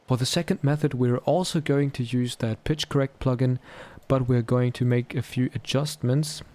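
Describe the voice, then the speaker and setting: A man presenting a software tutorial in a casual, explanatory style. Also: mid-range voice, steady tone, moderate pace.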